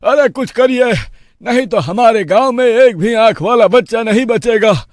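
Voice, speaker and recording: A man's voice: very high-pitched, measured pace, no echo, studio quality. A man doing an agitated worried villager. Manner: urgent, agitated. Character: worried male villager, urgent and upset.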